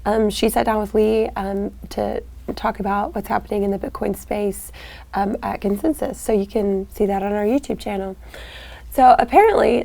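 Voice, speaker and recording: A young adult woman co-hosting a casual podcast, with a raspy voice, laughing often and searching for words with fillers. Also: a little high, warm tone. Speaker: co-host.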